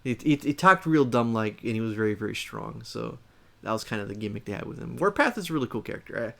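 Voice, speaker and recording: Casual male gamer with halting delivery. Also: fairly low pitch, animated, gravelly, a bit bright. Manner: halting, repeats words, chuckles through remarks. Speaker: gameplay video host. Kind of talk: casual game commentary.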